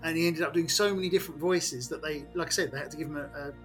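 An English man chats casually as a podcast co-host. His voice sits a little high for a man and is bright and forward, over quiet background music. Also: fairly even intonation, rapid-fire. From England. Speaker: podcast co-host and game master. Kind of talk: casual chat.

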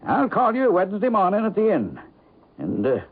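An actor playing a folksy, sly small-town real estate agent with a New England accent in a radio drama. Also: male voice, sits high, wildly swooping pitch, moderate pace, breathy edge, full character voice. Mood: sly, coaxing. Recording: tinny old radio broadcast.

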